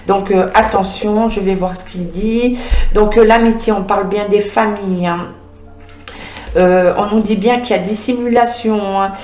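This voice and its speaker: A woman's voice: mid-range voice, steady tone, darkish tone. Woman medium reading cards in an echoey room. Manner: halting, many filler sounds, talks to the cards. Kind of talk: spoken card reading with visions.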